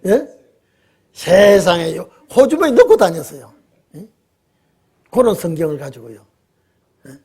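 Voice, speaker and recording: Older male pastor, husky and high-pitched, preaching with a lot of emphasis and often checking in with the congregation. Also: sing-song, measured pace, long pauses. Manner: emphatic, colloquial, keeps asking the congregation "예?"; swings from loud exclamations to quiet asides. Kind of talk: sermon. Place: church sanctuary.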